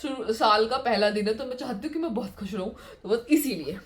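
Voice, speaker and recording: A woman's voice: fairly high pitch, expressive, fairly quick. A young woman, chatting casually to viewers in a home vlog, repeating words for emphasis. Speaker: vlogger. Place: home, indoors.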